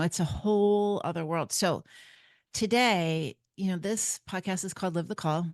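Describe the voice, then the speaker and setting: A woman hosting an interview podcast, speaking in a measured, reflective way. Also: on the low side, no room sound, studio quality. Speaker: podcast host.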